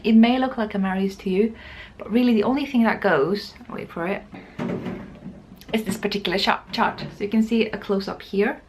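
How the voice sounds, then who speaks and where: A woman chatting casually and informally to camera as the host of a knitting podcast. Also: mid-range voice. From Norway.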